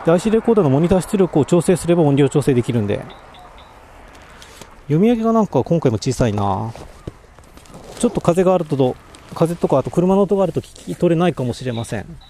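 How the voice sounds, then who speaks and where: A man's voice: a little high, big pitch swings, quick pace, pauses often, warm tone, a little hiss or hum. A man livestreaming outdoors, chatting casually to viewers while testing and fixing his microphone through a voice recorder. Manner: mumbling mic checks, talking to viewers while fixing audio. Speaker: cycling livestreamer. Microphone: voice recorder mic.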